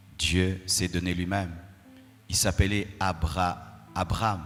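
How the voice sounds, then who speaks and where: A man speaks at a fairly slow pace. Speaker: pastor. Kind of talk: sermon. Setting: church service. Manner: calm, not shouting.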